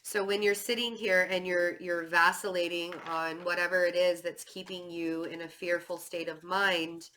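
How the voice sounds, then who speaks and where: With hardly any pauses, a woman reads tarot for the camera in a lowish, steady, bright and forceful voice at normal speed, stuffy and slightly nasal from a cold. She's casual and chatty, peppering her talk with "um" and "like," and calls herself nervous and fidgety.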